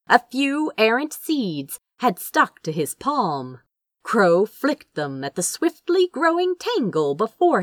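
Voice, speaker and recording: A woman reading fantasy fiction aloud with dramatic, expressive and deliberate narration. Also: on the low side, dry recording, clean studio sound. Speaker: amateur audiobook reader.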